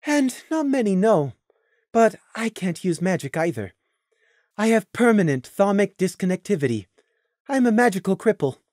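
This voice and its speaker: A woman puts on a refined female unicorn from a fantasy story. Her voice is smooth and musical, with lively intonation. She speaks calmly, patiently and with humble earnestness. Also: mid-range voice, normal speed, dry recording, studio quality, voice pushed up, lightly acted. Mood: calm, sad.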